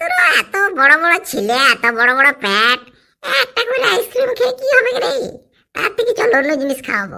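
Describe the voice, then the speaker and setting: This cartoonish character voice is squeaky and high-pitched, with very wide pitch swings. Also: moderate pace. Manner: smug, lecturing.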